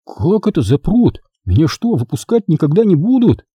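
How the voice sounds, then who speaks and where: A man's voice: on the high side, sing-song, normal speed, mellow, slightly rough, no echo, clean studio sound, voice pushed up. A male audiobook reader voicing an eager schoolboy who pleads and protests. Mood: upset.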